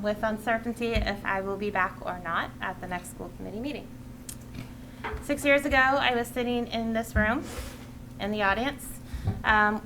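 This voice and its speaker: A woman's voice: mid-range voice, noisy background. Woman giving an earnest meeting speech. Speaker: school committee chair. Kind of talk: prepared farewell speech at a public meeting.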